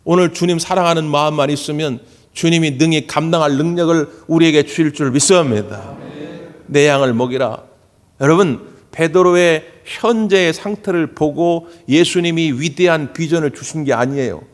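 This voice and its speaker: A male pastor preaching a Sunday sermon in a church sanctuary. He tells stories in an animated way and acts out the voices of the people in them. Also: a little high, moderate pace. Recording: long church hall reverb.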